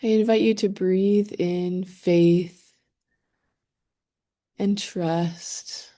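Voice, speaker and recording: Slow, mellow woman guiding a meditation. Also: lowish voice, fairly even intonation. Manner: gentle, unhurried, with long pauses between phrases. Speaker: guided meditation leader. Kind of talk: guided meditation, slow and soothing narration.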